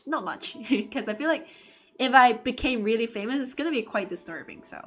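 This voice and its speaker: A woman's voice: on the high side, animated, brisk, a bit bright, soft background music. A woman with a Cantonese accent, chatting casually and ramblingly with her viewers as a game streamer. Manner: chatty, rambling, often laughing. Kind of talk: casual gaming-stream chat.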